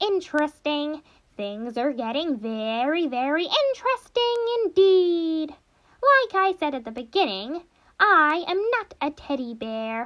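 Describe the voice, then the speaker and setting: This woman uses a cartoonish character voice with a high pitch. She talks at a fairly slow pace. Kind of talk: character impression.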